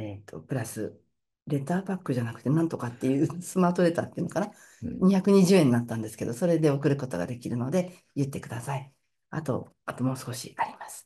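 A woman's very fast, very deep, low voice, dark and mellow in tone, somewhat breathy, with lively intonation. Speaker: session host showing her book. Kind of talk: casual talk on a video call. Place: home room. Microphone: webcam.

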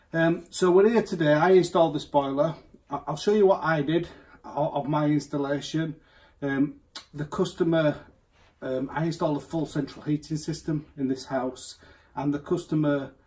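A man's somewhat breathy voice keeps its intonation fairly even. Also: moderate pace. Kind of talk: casual vlog chat. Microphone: phone near.

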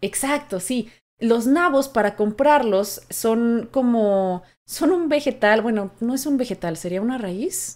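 The recording is very clean with a silent background. A woman speaks very slowly at a fairly high pitch with lively intonation. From Mexico City. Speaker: game producer and streamer. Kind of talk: casual chat.

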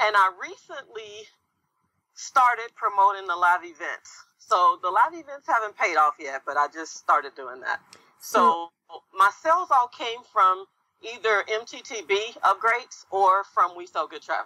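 A woman speaks at a fairly slow pace with very wide pitch swings and big swings in loudness, the sound dry with no echo over a quiet background. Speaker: sales consultant called by host. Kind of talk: interview answer.

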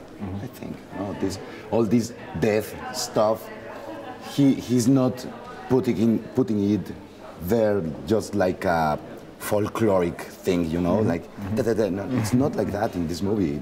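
With a Mexican accent, a man speaks at a moderate pace and fairly low pitch, with ordinary pitch variation. Long, frequent pauses break up his speech over noticeable background noise. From Mexico. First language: Spanish. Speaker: film actor. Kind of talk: casual interview. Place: hall.

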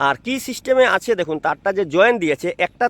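A man speaks with lively intonation. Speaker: vlogger. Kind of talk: vlog narration. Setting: outdoors. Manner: halting.

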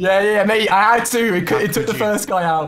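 With ordinary pitch variation and a moderate pace, a man talks against noticeable background noise. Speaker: gamer playing squads.

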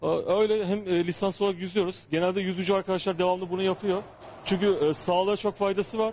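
High-pitched for a man, he speaks at a fairly quick pace in a monotone, flat intonation. His loudness stays very even over light background noise. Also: dry sound with no echo. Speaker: winter swimmer; interviewee. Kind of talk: interview. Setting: outdoors. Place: waterside. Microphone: handheld.

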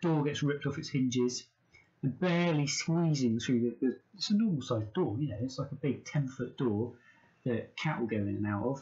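Against a quiet background, a man talks at a fairly quick pace. His voice is somewhat breathy. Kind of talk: storytelling narration to children. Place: home room. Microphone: camera far.

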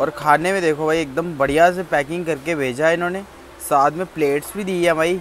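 A man speaks at a fairly slow pace in a high voice with fairly even intonation, the sound dry with no echo over light background noise. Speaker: travel vlogger. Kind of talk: casual vlog chat. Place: train. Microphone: phone near.

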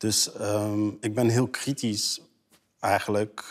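A man talks in a fairly low pitch with flat, monotone intonation. The background is quiet. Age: 30s. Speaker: screenwriter turned commissioning editor. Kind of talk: casual chat. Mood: earnest, reflective. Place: studio.

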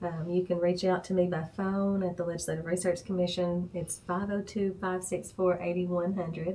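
With hardly any pauses and monotone, flat intonation, a woman speaks in an Appalachian accent over light background noise. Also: fairly low pitch for a woman. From eastern Kentucky. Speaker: state legislator; guest. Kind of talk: interview. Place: studio.

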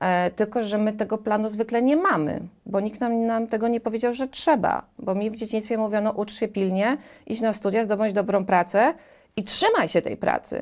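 A woman's fairly high voice at a moderate pace, with ordinary pitch variation and a quiet background. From Poland, Podkarpacie region; Poland. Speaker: personal finance expert; guest. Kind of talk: casual interview. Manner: halting, many fillers. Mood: engaged, explanatory. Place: studio. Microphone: lapel.

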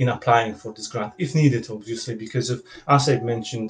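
Over light background noise, a man talks with fairly even intonation. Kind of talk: livestream presentation talk. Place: office. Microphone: webcam.

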